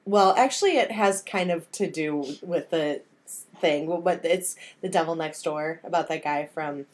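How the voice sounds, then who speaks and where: A woman's voice: sits low, normal speed. An American woman co-hosting a casual movie podcast, talking in a rambling, self-deprecating way. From United States. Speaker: podcast co-host.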